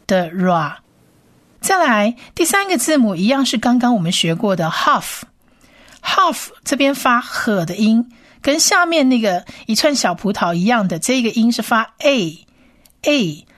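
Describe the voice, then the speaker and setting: A woman leads a language lesson for listeners. She talks in a calm, patient way at a middle pitch. She breaks each word into its letters and sounds and repeats them slowly. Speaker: Bible Hebrew teacher. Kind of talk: radio-style language lesson.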